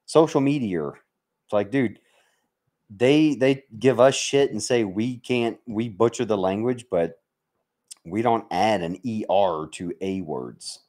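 A man's voice: lowish voice, slow pace, a little mellow. An American man from Mississippi chatting casually to livestream viewers, blunt and sweary, in a joking, bantering way. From Mississippi, United States. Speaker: livestream host, military veteran.

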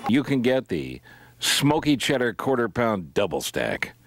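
A middle-aged man hosts talk radio in a casual, joking, conversational way, speaking close into a boom-mounted broadcast microphone in the studio. His mid-range voice has a sing-song lilt and runs a little slow, the kind of easy banter heard on live radio.

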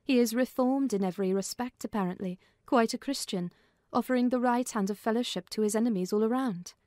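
A woman's voice: on the high side, fairly quick, warm tone, no room sound, clean studio sound, close to an everyday voice. A woman voicing a sensible, frank housekeeper who admonishes firmly, in a dramatized classic novel reading. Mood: frank, cautioning. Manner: admonishing, firm. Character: sensible, frank female housekeeper advising her mistress.

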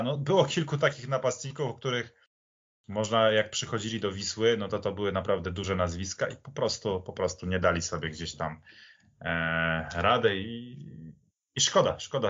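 A man's voice: deep voice, fairly bright tone, highs cut off. A man giving casual, opinionated football commentary as a podcast panelist, repeating himself for emphasis.

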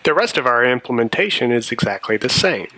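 Male programming instructor, mid-pitched and bright, methodical screencast narration. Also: sing-song, a little fast. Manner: methodical, explanatory. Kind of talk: tutorial narration over a screencast.

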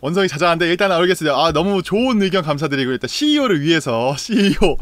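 A man's voice: fairly high pitch, expressive, fast, a bit bright, no room sound. A young man in his twenties hosting a casual streamed talk show, playful and teasing, often laughing. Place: small bedroom, indoors.

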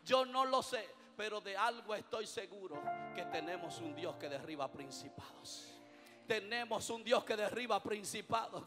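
A male pastor preaching a fervent sermon, calling on the congregation to repeat after him and swinging from quiet asides to loud climaxes. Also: sits high. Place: church sanctuary. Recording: reverberant church hall with music.

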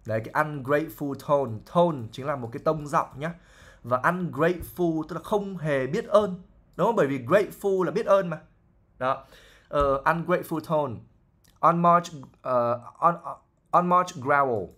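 A man's voice: fairly high pitch, measured pace, a bit bright. Patient male teacher. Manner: patient, repetitive explaining with fillers and checks. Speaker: IELTS English teacher. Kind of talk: explaining a novel line by line.

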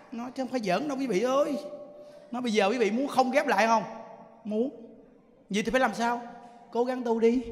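A man's voice: high-pitched, fairly bright tone. A man with a Southern Vietnamese accent, a Buddhist monk giving a dharma talk to an audience in a temple hall, telling stories, throwing rhetorical questions at listeners and laughing often. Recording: long hall reverb.

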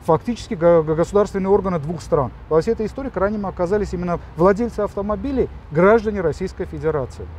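Fast, high-voiced male lawyer explaining. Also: darkish tone, slight background noise. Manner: explanatory, with frequent restarts and filler sounds. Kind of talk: interview answers.

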